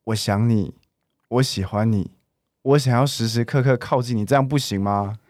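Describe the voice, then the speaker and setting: A man's voice: medium pitch, moderate pace, darkish tone, no room sound, studio quality, close to an everyday voice. A young man with a Taiwanese Mandarin accent acting a frank, clingy, doting gay boyfriend in an audio drama. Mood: pleading, affectionate.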